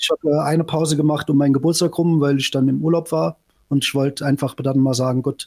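The speech comes very fast in a monotone, flat delivery, with a dry, close sound and no echo. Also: man. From Germany. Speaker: YouTube content creator. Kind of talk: casual chat.

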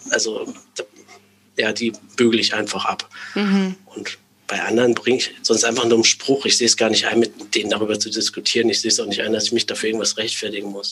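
Speech at a very fast pace with ordinary pitch variation comes through over noticeable background noise. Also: man, medium pitch for a man. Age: 30s. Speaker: kidney transplant patient. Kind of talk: interview. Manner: halting.

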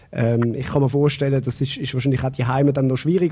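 This man has a plain, everyday voice, fairly high in pitch, with fairly even intonation. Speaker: podcast host and comedian. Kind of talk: casual interview. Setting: Skype call.

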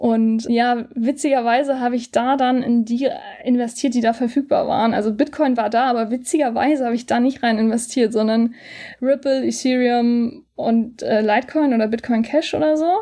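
A woman speaks at a moderate pace with a high pitch, a dark, mellow tone, and fairly even intonation. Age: 30s. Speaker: private investor. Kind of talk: casual chat. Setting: live podcast recording.

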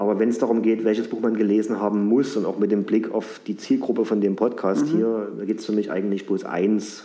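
Fairly low for a man, his dark, mellow voice stays monotone and flat at a fairly quick pace. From Saxony, Meißen. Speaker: IT company executive. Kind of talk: interview.

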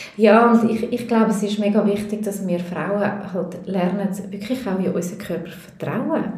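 A woman with a Zurich accent at a fairly slow pace, amid audible room echo and noticeable background noise. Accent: Zurich Swiss German. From Switzerland, Zurich. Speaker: life coach. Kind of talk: interview about personal experience. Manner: halting, many fillers.

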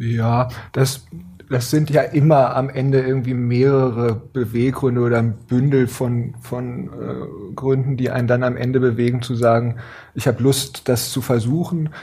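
Speaking at a fairly slow pace, a man with a medium pitch and a dark, mellow tone sounds somewhat breathy and stays in a flat monotone. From Lower Saxony, Germany (Gifhorn). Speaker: city official. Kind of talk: interview. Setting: studio. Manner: halting, many fillers.

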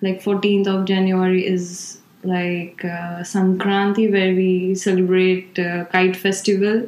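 A woman with an Indian accent speaks at a very slow pace and a medium pitch, her intonation flat and monotone, with hardly any pauses and noticeable background noise. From India, Gujarat. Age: 20s. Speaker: graduate student. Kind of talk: casual chat. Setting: sitting on kitchen floor at home.

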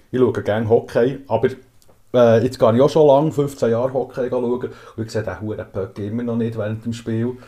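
Fairly even intonation and a dark, mellow tone at a moderate speed. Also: man. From Switzerland, Zurich area. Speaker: city councillor and club DJ. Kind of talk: casual interview.

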